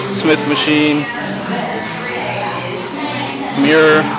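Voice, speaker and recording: Clear music sounds in the background while a man speaks. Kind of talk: casual vlog chat. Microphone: phone near.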